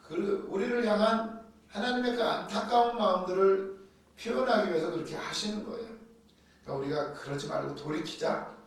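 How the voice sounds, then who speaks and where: A man preaching a sermon, telling Bible stories in a lively way and acting out the quotes. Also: high voice. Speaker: pastor. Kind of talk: sermon teaching on doctrine. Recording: echoey hall from far off.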